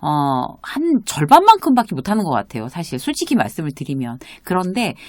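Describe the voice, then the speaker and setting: Lively middle-aged Korean woman host. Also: lowish voice, fast talker, no room sound, studio quality. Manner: animated, acts out quoted remarks. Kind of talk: conversational self-help talk.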